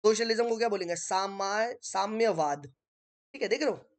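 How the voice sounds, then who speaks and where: A man's voice: sits high, normal speed. A male teacher talks through an online exam-prep lesson in a chatty, conversational way. He explains each point step by step and keeps checking in with his listeners. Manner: explains step by step while writing on screen.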